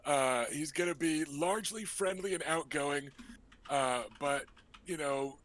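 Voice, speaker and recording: A man's voice: on the high side, measured pace, a bit bright. A man playing in a tabletop game, chatting and joking as he explains his character choices at length. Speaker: player. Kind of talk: casual chat, building a character.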